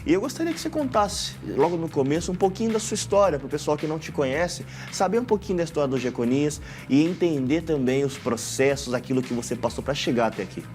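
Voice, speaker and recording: A man, a pastor, hosting a youth gospel TV talk show, enthusiastic and quick to exclaim. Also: fairly high pitch, animated, a little mellow, faint music behind. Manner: enthusiastic, exclaims and laughs often.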